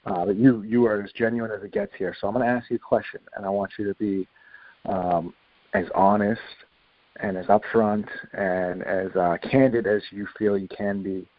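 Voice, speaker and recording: A man hosting a podcast interview, relaxed and casual in how he phrases his questions. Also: lowish voice, moderate pace, no room sound, muffled recording. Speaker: podcast host.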